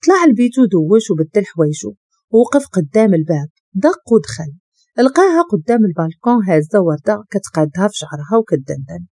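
A woman with a Moroccan accent narrating a dramatic story in an expressive, scripted way. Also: medium pitch, quick pace, dry recording, studio quality.

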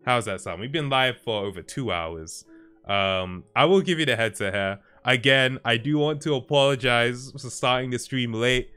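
A man's voice: medium pitch, moderate pace, sharp tone, clear, resonant tone, faint music behind. A young man streaming from home on a headset, chatting casually and laughing easily with his chat. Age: young adult. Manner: laid-back, laughs often, chatty with chat. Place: home streaming room, indoors.

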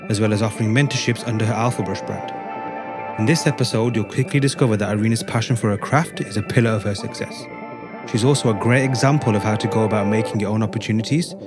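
A man hosting a podcast, reading a scripted introduction and then interviewing a guest with short encouraging replies. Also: on the low side. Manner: brief encouraging backchannels. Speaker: podcast host.

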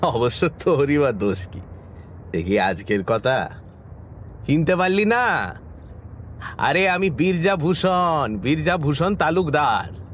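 A man's voice: on the high side, expressive, slow pace, pauses often, fairly bright tone, slight background noise. An actor playing a good-natured, insistent middle-aged village man chatting familiarly with an old friend in an audio story. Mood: familiar, teasing.

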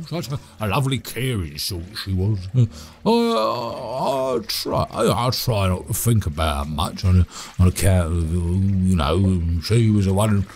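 A man's voice: medium pitch, darkish tone. A man playing a chirpy, timid British handyman putting on brave cheer in an audio drama, rambling and stammering with nervous chuckles. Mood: wistful, faltering.

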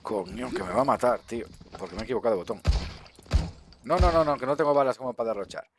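A man's voice: mid-range voice, very fast, background noise. A man with a Spain Spanish accent giving casual gameplay commentary, swearing often and talking to viewers. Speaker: gaming streamer.

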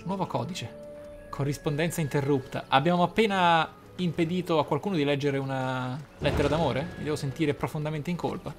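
A man's voice: a little high, a little fast. A man hosting a role-playing let's play, musing aloud with theatrical interjections. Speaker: gamer, let's play host. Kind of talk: role-playing game commentary. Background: game music.

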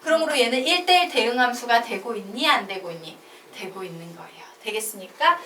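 In a classroom, a female math teacher with a fairly high voice speaks quickly and with lively rising-and-falling inflection, leading students in call-and-response chanting of definitions. She blends casual and polite speech. Because she sits far from the mic, the recording sounds roomy and echoey, with noticeable background noise.

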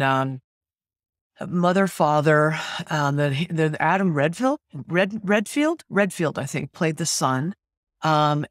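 A woman in her sixties from California, a stage actress and singer, chatting as a podcast guest and telling lively stories full of restarts and asides. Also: low voice, no room sound, clean studio sound. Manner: animated storyteller, quick restarts and asides. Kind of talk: casual interview chat.

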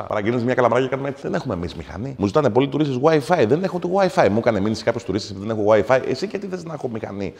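A man's voice: fairly low pitch, gravelly. An actor playing a crude, hot-headed taverna owner in his forties, ranting and swearing in a comic monologue. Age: 40s. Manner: foul-mouthed, ranting, swings from mumbling to shouting. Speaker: comedy character. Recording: long hall reverb.

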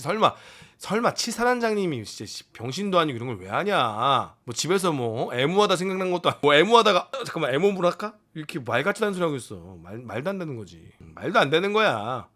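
A man runs a military commentary channel, ranting and cursing in exasperation. His voice sits fairly high and bright, and it leaps around in lively swings. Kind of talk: casual commentary.

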